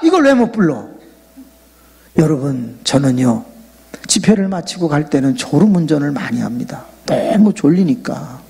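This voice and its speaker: A man preaching a lively revival sermon in a large church sanctuary, joking and leading the congregation in loud shouted prayers. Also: a little high, moderate pace, gravelly, breathy edge. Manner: jokey, animated, leads the crowd in loud shouted prayer. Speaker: pastor. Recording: long reverb of a big church hall.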